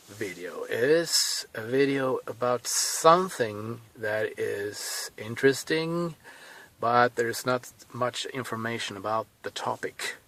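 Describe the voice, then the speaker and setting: A man in his thirties with a Swedish accent, talking casually to camera from inside a car, thinking aloud with pauses and restarts. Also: mid-range voice, a bit bright. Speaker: vlogger.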